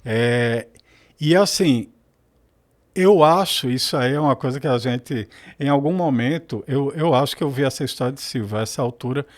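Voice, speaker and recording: A man's voice: mid-range voice, moderate pace. A man, a guest on a podcast, talking in a reflective, rambling way and correcting himself as he goes. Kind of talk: casual podcast conversation.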